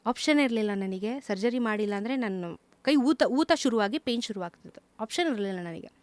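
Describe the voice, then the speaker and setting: A woman guest speaks in a fairly high voice, telling her story candidly and with animated detail. The sound is close and dry, with no room echo. Her delivery is casual and conversational, as in a sit-down interview. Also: brisk. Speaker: moto vlogger, interview guest.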